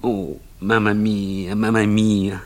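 A man's voice: on the low side, flat delivery, slow pace. A man doing a wounded soldier crying out. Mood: agonized pleading. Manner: pleading, crying out in agony. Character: gravely wounded young male Italian soldier.

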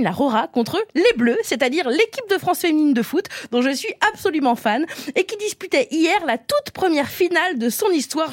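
Woman, young adult, high voice, playful emphatic comic monologue, dry close sound. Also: no echo. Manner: lively, playful, emphatic storytelling. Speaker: comedy columnist. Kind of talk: humorous radio chronicle.

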